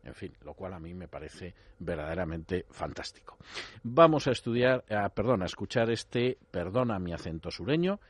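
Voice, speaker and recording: A man's voice: low voice, animated, normal speed, slightly rough, no room sound. A man hosting a radio music show, presenting songs with enthusiastic commentary, addressing listeners formally and wandering into asides.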